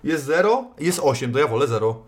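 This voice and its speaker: A male podcast host co-hosts a casual talk show, frequently hesitating, using fillers and restarting his sentences. His voice is on the high side, expressive and brisk, with a breathy edge.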